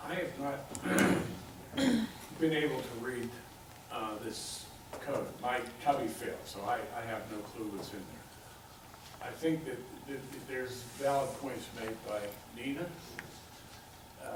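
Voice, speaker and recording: Male councillor, measured and deliberate; distant, reverberant room with audible hiss. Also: medium pitch. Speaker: council member. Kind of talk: meeting discussion. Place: council chamber. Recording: very echoey chamber audio from far off with clear hiss.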